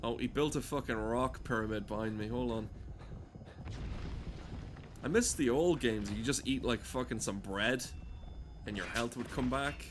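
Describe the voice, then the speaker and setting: A man's voice: mid-range voice, normal speed, long pauses. A man giving casual, sweary, joking gameplay commentary, often muttering to himself as he plays. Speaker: gaming video commentator. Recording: noisy background of game sounds. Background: video game ambience.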